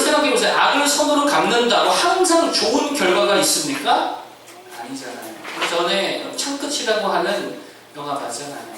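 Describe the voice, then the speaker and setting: Male pastor, sermon delivery, high bright voice, call-and-response questions, heavy church-hall echo, distant mic. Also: a little hiss or hum. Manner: asks the congregation questions and answers them himself. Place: church sanctuary.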